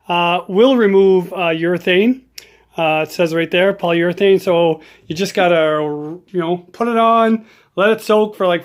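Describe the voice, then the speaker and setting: A man talking casually in a relaxed, rambling way as he works on a guitar in his home workshop vlog. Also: high voice. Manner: rambling, easygoing, lots of fillers. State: hiccups. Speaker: guitar hobbyist vlogger.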